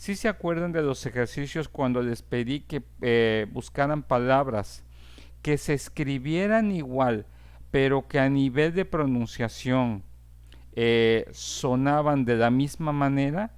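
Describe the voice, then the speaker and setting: A man teaching a class, explaining in a measured way with frequent fillers and checks for understanding. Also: mid-range voice, smooth. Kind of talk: recorded class lecture.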